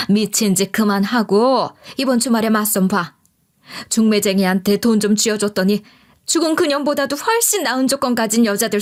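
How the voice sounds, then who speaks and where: A woman's voice: on the high side, voice pushed up, lightly acted. A woman narrator voicing a pushy older mother who insistently nags her grown son with pointed questions. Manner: scolding, insistent, rhetorical questions.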